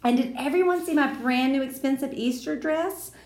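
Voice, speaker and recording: A woman's voice: high-pitched, normal speed, darkish tone, roomy sound, voice pushed up. A woman voicing a spoiled, showy rich little girl who talks in a prissy, sing-song way.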